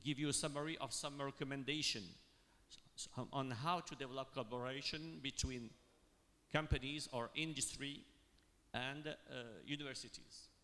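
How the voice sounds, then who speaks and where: A man from Morocco speaking on a panel, halting and full of fillers and restarts. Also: mid-range voice, fairly even intonation, bright, forceful tone. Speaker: university panelist. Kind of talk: panel discussion remarks. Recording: long hall reverb.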